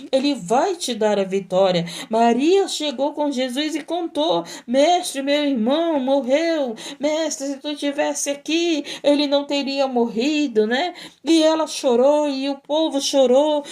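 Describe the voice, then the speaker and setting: A woman's voice: high-pitched, darkish tone. Fervent woman preaching. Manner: fervent, repetitive exhortations with frequent "praise God". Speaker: missionary preacher. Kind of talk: sermon.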